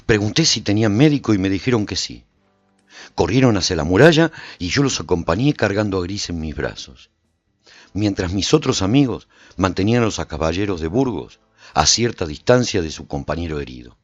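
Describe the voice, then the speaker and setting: A man's voice: on the low side, dry recording, dull audio. A man giving an intense, dramatic first-person narration for a radio serial.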